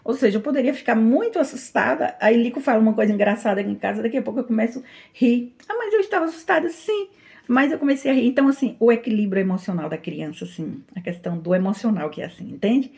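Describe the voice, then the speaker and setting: A middle-aged Brazilian woman talks through a devotional lesson in a soft, chatty manner and laughs easily as she goes. Her voice has a gravelly fry running under it. The tone sits on the dark, mellow side. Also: a little high, rapid-fire, hardly any pauses. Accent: Brazilian Portuguese. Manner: gentle, chatty, tends to laugh while speaking. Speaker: Christian teacher. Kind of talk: informal devotional talk.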